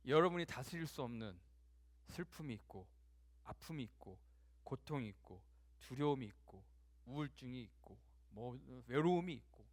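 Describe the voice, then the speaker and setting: A man preaching a sermon as a pastor in a church, swinging from loud emphasis to soft near-whispers and acting out quoted dialogue conversationally. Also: medium pitch.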